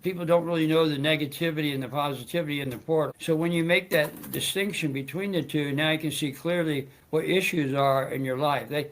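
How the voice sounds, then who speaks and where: A man's voice: fairly high pitch, fairly even intonation, a little fast, hardly any pauses. A man hosting his own talk show, speaking in a rambling, stammering way with frequent restarts and joking asides. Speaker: show host.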